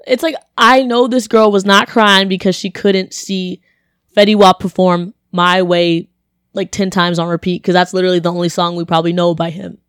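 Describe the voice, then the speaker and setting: A young woman, a college student, telling a story in casual chat, her voice deeper than usual and a bit congested, with lots of "like" and acted-out quotes. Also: moderate pace, clean tone, no room sound, clean studio sound. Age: young adult. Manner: chatty, animated, lots of "like", acts out quotes.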